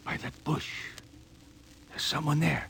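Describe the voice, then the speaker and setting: High, creaky, excitable crewman. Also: a little slow. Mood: excited. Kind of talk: 1950s radio drama acting. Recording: noisy vintage radio broadcast recording.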